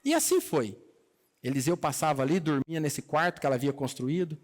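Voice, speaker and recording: A Brazilian man preaches in a church hall, his voice pitched notably high. He tells a scripture story in an easy, conversational way and slips into the characters' lines. The sound rings with a long hall echo. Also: a little fast. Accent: Brazilian Portuguese. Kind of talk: sermon retelling a Bible story.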